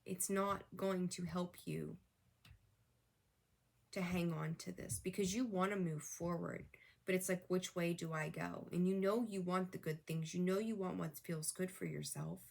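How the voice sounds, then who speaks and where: A middle-aged woman with a slightly low voice gives a casual tarot reading to her viewers. She coaches them earnestly, repeating her points over and over. Her voice is wearing thin, and she clears her throat now and then. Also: steady tone, unhurried. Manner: earnest, repetitive coaching, talks straight to viewers. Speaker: tarot reader.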